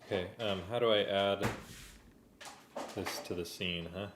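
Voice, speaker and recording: A man's voice: sits low, steady tone, measured pace. A man co-hosting a livestream in casual, informal conversation. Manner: informal, conversational, asking questions. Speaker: livestream co-host. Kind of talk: casual chat. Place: indoor room. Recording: roomy echo, clear background noise.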